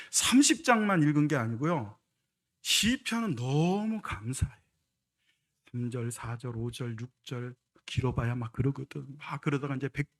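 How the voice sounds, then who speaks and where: A middle-aged man preaching a sermon as pastor, moving between conversational storytelling and emphatic exhortation. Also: on the high side. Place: church sanctuary.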